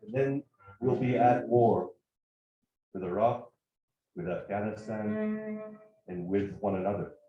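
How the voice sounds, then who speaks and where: A man reading a first-person literary piece aloud at a live event, measured and reflective in his delivery. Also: on the low side, big pitch swings, lo-fi sound, slight background noise. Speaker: actor reading a writer's piece. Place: bar event space, indoors. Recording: very echoey room, faint music.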